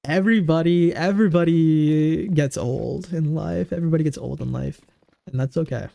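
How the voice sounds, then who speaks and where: A young man in his twenties talks to his stream in an easygoing, rambling way, tripping over restarts and fillers. His voice sits a little high, with a warm, mellow tone and a goofy edge. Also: moderate pace, creaky. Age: 20s. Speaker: livestreamer. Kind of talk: casual livestream chat.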